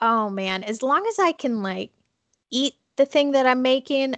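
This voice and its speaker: A woman's unremarkable speaking voice at a fairly slow pace, with ordinary pitch variation, a dry, close sound with no echo and a quiet background. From Minnesota, US. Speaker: life coach. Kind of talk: casual interview. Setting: remote call.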